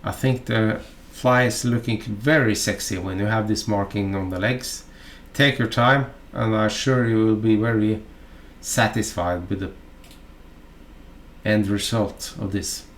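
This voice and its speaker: This fly-tying tutorial is narrated by a Norwegian man with a Norwegian accent whose lowish voice keeps a steady tone. He speaks haltingly and chattily, adding fillers and asides throughout.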